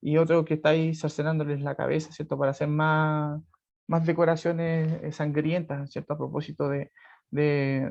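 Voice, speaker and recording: A man's voice: a little high, gravelly. A Chilean man teaching a literature class over a video call, rambling with many fillers and checks for agreement. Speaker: high school literature teacher. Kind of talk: online class lecture. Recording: muffled lo-fi video call audio.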